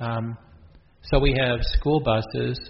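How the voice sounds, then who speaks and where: A man of medium pitch with an American accent, somewhat breathy, with audible room echo. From Texas, Dallas. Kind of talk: sermon. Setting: church. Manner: halting, many fillers.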